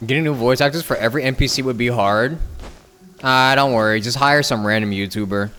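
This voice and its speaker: A man's voice: medium pitch, a little fast, bright, forceful tone. A man doing casual livestream commentary on a game while chatting with viewers, close on the mic. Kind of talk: casual gameplay commentary and chat reading. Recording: game music behind the voice.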